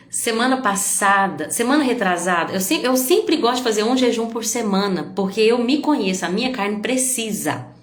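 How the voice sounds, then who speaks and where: A woman's voice: medium pitch, reverberant. Woman preaching a heartfelt sermon. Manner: confessional, emotional preaching with sudden loud outbursts.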